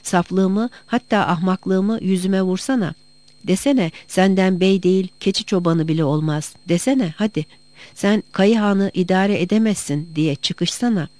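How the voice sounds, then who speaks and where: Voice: medium pitch, moderate pace, darkish tone, dry recording, close to an everyday voice. A reader voicing a proud young tribal chief from an audiobook, speaking with bitter, rousing force. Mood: angry. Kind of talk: audiobook reading.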